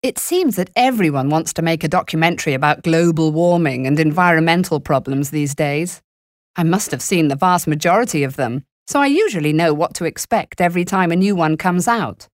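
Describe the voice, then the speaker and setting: A woman playing a thoughtful reviewer in a scripted monologue, giving her opinion in a measured way. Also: sits low, lively intonation, dry recording, studio quality. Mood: reflective. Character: thoughtful woman reviewing a documentary she watched. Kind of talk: scripted monologue for a listening exercise.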